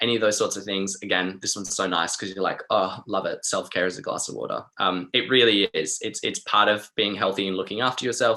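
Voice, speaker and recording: A man with an Australian accent at a fairly quick pace with hardly any pauses. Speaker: wellbeing workshop presenter. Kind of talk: online webinar presentation. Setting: webinar.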